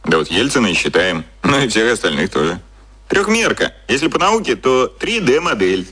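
Low, husky, cocky boss. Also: male voice, very animated, moderate pace, bright, forceful tone, exaggerated voice. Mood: amused, smug. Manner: offhand, colloquial explaining. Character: cynical, cocky male boss explaining secret media machinery. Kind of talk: radio drama dialogue.

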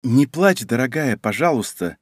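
A man reading a soft, soothing mother. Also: medium pitch, animated, normal speed, no room sound, studio quality, natural voice. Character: gentle mother comforting a crying girl.

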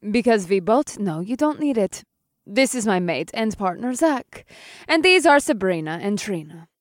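A cool, bored female vampire in an audiobook, speaking clipped and dismissive, as a male narrator puts her on. The voice sits well above his own in pitch. It is recorded dry and close. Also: very animated, normal speed, dry recording. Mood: aloof.

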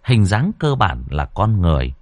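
A man's voice: deep voice, very animated, moderate pace, no room sound. A man narrating a ghost story in a dramatic, suspenseful way. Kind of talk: audiobook narration.

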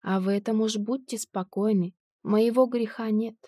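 A woman voicing a drunk, cold-blooded male tramp who robs graves, speaking slowly and sneeringly in an audiobook. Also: a little high, steady tone, dark tone, dry recording, studio quality, lightly acted.

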